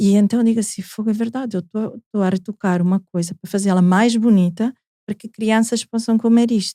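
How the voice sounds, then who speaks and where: A woman with an Italian accent speaks at a fairly quick pace, with fairly high pitch, fairly even intonation, and a dark, mellow tone, in a dry, close sound with no echo. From Italy. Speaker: parenting coach, former image retoucher. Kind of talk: interview answer.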